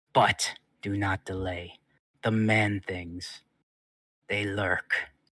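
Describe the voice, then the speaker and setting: A man's fairly low put-on character voice at a very slow pace. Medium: actual play. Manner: imperious, hissing, repeats words.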